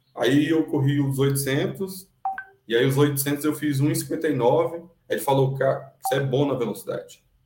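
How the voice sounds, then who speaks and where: A man talks with fairly even intonation. His voice is somewhat breathy. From Brasília satellite cities, Brazil. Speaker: running coach, former sprinter. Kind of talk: casual interview on a livestream. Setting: YouTube livestream.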